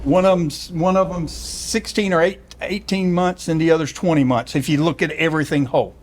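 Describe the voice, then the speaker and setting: Higher-voiced man explaining casually. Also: fairly even intonation, brisk. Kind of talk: meeting discussion.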